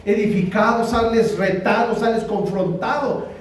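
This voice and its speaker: A man with a Mexican Spanish accent and a high, steady voice speaks a little slowly, preaching a conversational sermon as pastor and often putting questions to the congregation. He's recorded from far off in a very echoey church hall, with faint noise.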